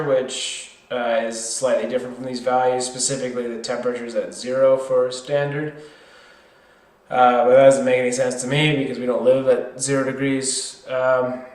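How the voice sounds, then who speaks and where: A man with a mid-pitched voice gives an informal lesson at a slow pace. He thinks aloud as he explains each step, correcting himself as needed. The sound is roomy and echoey. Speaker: tutor. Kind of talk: worked chemistry problem lesson, explained step by step.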